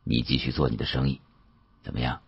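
A man voicing a shrewd senior bureau chief in an audiobook, genial and testing, with unhurried, teasing authority. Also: very deep voice, steady tone, creaky, breathy edge, dry recording, lo-fi sound, pitched below the performer's own voice, full character voice. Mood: coolly commanding.

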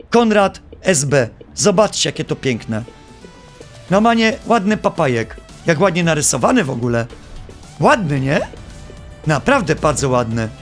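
A man streaming live, giving gameplay commentary in an animated, joking and playfully exasperated way. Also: high-pitched.

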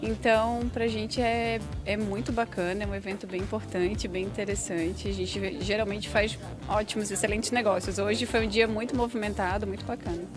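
A woman's voice: medium pitch, steady tone, normal speed. Hesitant woman at a trade show. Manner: hesitant, many fillers and restarts. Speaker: shoe company representative. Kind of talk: casual interview. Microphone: handheld mic. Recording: clear music under speech.

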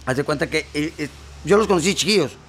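A man's voice: on the high side, quick pace, fairly bright tone, slightly rough. A male singer, talking casually in an interview, rambling with many restarts and slang.

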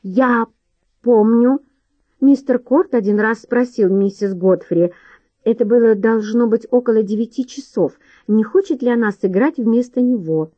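A woman reading an audiobook, voicing a nervous, flirtatious former actress in a higher, metallic tone, recorded dry and slightly dull. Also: a little slow, no echo. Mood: eager, nervous. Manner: high, eager, metallic tone.

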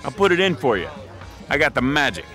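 A man's voice: mid-range voice, very animated, fairly quick, pushed and bright, faint music behind. An actor in a radio drama playing a cocky, greedy small-time hood with an American accent and brash, slangy wise-guy talk.

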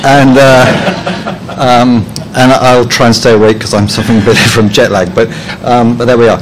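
A head of publishing presents at a professional conference in a conference room, his mid-range voice fairly even and at normal speed. He speaks hesitantly with many ums and restarts, tossing in dry, self-deprecating jokes. The low-quality recording has slight background noise.

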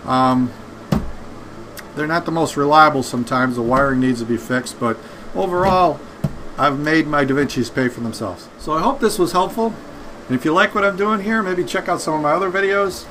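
A man's voice: on the high side, normal speed, background noise. A man in his fifties giving an informal, plain-spoken how-to explanation to camera as a video host. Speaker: YouTube host showing workshop tips. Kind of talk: casual explanatory tutorial to camera. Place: indoor home workshop.

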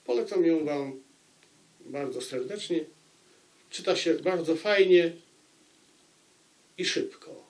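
Slow, deliberate man reviewing a book. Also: a little high, expressive, a little mellow, rough recording. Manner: deliberate, with dramatic pauses and repetition for emphasis. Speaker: book review channel host. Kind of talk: informal spoken book review to viewers.

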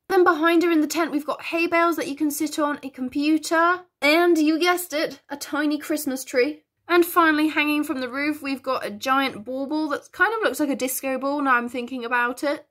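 A woman's voice: high-pitched, a bit bright. A woman from the United Kingdom narrating a casual tour of her toy horse barn, chatty with self-deprecating asides.

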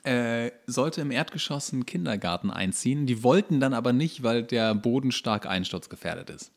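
A man's voice: mid-range voice, expressive, moderate pace, creaky. A man co-hosting a casual comedy podcast, chatting in a joking, rambling, ironic way. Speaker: podcast co-host.

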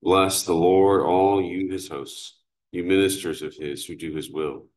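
Very deep-voiced priest in echoing cathedral. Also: male voice. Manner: measured, steady, even recitation. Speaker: priest leading morning prayer. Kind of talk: liturgical psalm and creed recitation. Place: large cathedral sanctuary, indoors. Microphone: far camera. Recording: echoey cathedral room sound.

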